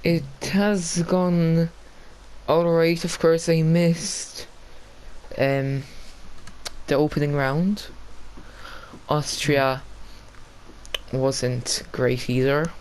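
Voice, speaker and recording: A man co-hosting a casual racing podcast, hesitant and pausing often with ums. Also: on the high side, level tone, a little mellow, clean tone, rough recording. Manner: halting, hesitant, pauses with ums. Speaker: podcast co-host and racer.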